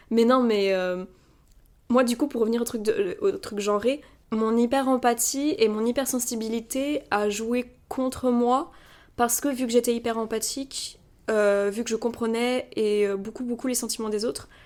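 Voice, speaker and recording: In a very clean recording with a silent background, a woman talks at a fairly slow pace, her fairly high pitch showing ordinary variation. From Brittany, France. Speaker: podcast guest. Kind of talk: casual interview chat. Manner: halting, many fillers.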